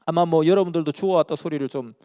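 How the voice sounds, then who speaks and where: A man's voice: fairly high pitch, fast, mellow, smooth. A man from Busan, earnestly telling a story in a sermon. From Busan, South Korea. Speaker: preacher. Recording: long hall reverb.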